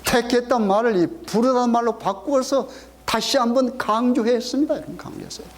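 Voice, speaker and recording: A man's voice: very high voice, fairly even intonation, a little fast. A middle-aged male pastor preaching a sermon, quizzing the congregation with frequent questions and emphatic repetition. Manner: call-and-response questioning, emphatic. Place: church sanctuary.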